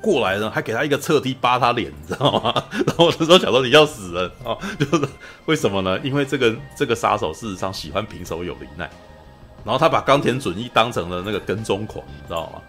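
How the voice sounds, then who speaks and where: Podcast host, a man: rambly and chatty, lots of laughing, on the low side. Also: lively intonation, quick pace, fairly bright tone, soft background music. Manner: rambling, constant "you know" tag questions, frequent laughter. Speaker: podcast host reviewing a film. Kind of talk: casual chat.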